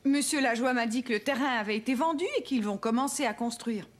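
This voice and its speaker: A woman's voice: on the high side, fast, lightly acted. A woman playing a kind, cheerful, patient mother in a children's cartoon, speaking affectionately. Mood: warm. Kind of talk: French children's cartoon acting.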